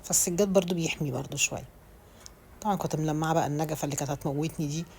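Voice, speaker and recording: A woman's voice: low-pitched, racing, darkish tone, slight background noise. A woman in her thirties with an Egyptian accent, chatting casually about cleaning her home in a rambling voice-over full of restarts. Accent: Egyptian Arabic. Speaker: home vlogger.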